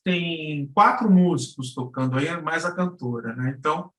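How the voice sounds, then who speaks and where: Higher-voiced man in an echoey room. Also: normal speed, a bit bright. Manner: explanatory, checks in with frequent tag questions. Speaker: guest instructor. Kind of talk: informal live lesson on podcast production. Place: indoor room on an online live stream. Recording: roomy, echoing live-stream audio.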